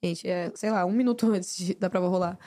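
Fast-talking expressive young woman. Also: fairly low pitch. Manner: expressive, laughs often, storytelling. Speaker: guest, reality show winner. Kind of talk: casual podcast chat.

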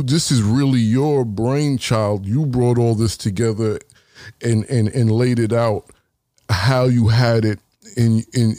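A man hosting a radio interview, affirming his guest with steady murmured agreement and asking thoughtful questions. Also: medium pitch, no echo, studio quality. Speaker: radio host.

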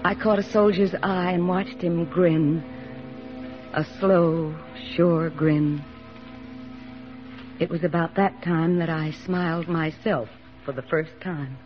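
An actress playing a steady, plain-spoken army nurse lieutenant who narrates and soothes wounded men in a 1940s radio drama. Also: female voice, fairly low pitch, slow pace, long pauses. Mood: somber. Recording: dull old radio broadcast with music.

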